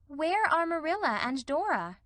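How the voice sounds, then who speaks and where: A woman voicing an earnest, sensitive, gently scolding young woman in a storybook, with proper, expressive speech. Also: high-pitched, normal speed, dry recording, voice pushed up. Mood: soothing, reproving.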